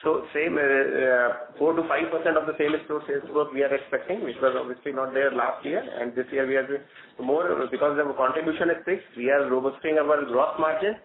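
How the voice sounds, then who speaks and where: A man with an Indian accent, a company executive answering questions on an earnings call in halting, loosely phrased explanations. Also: mid-range voice, steady tone, crowd noise. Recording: thin, narrow phone-line sound.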